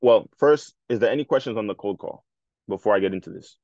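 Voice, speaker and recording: A man teaching cold calling in a casual training call, saying "right?" after almost every point and acting out sample sales pitches. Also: quick pace, a little mellow, no room sound, dull audio. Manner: informal, keeps adding "right?", acts out sample sales pitches.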